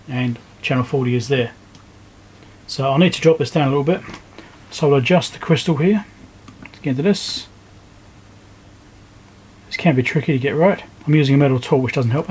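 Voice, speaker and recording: This electronics repair video host chats casually at his indoor workbench, thinking aloud as he works through a hands-on repair. He has a fairly high-pitched voice, and the audio is poor, with a little hiss or hum.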